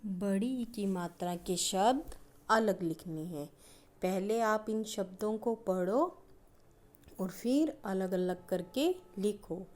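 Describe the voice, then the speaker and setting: A woman teaching young pupils at an unhurried, measured pace. She speaks patiently and draws out every example word so the children can hear each sound. Her voice sits at an ordinary middle pitch. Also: a little mellow. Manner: slow, drawn-out stressing of each example word. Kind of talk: primary-school grammar lesson.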